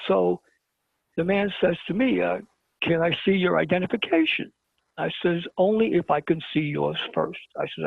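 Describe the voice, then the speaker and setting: Brooklyn-accented man, high gravelly voice, husky, phoning in to tell his story; call-in guest. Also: no echo. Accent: New York (Brooklyn). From Brooklyn, New York. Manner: animated storyteller who acts out dialogue. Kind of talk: telling a personal story on a talk show. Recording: tinny phone-line call-in.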